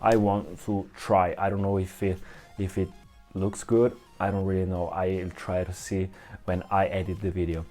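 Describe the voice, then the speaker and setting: A man's voice: deep voice, little pitch movement, moderate pace, dark tone, faint music behind. Young Italian man chatting to camera. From Italy. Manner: chatty, restarts and searches for words in English. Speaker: vlogger. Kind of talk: casual talk to camera.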